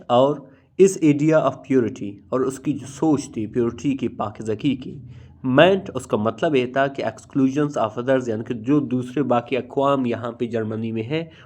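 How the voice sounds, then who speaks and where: A man with a South Asian accent teaching English, reading phrases slowly and deliberately, then explaining and repeating them in translation. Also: medium pitch, a little mellow.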